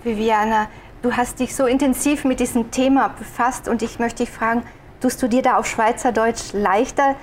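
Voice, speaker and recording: A woman from Austria hosting an interview, asking measured, admiring questions of her guest. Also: fairly high pitch, fairly even intonation, a little hiss or hum. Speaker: podcast interviewer.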